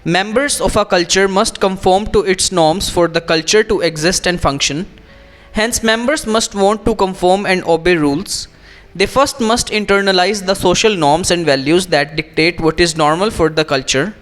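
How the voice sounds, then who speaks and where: High-pitched Indian man, teacher reading aloud. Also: moderate pace, fairly bright tone, faint music behind. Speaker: English exam coach. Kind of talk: instructional read-aloud with tips.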